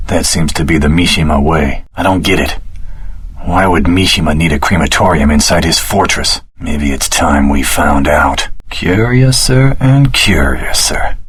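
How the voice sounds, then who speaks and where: An actor playing a wry, world-weary swordsman hero in a video game, speaking in a dry, casual, gravelly voice. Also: low voice, fairly bright tone, full character voice. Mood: wary, sardonic. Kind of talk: scripted video game voice acting.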